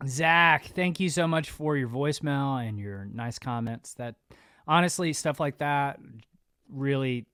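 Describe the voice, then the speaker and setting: A man's voice: mid-range voice, unhurried, fairly bright tone, clean tone, no room sound. Casual male podcast host, dry close sound.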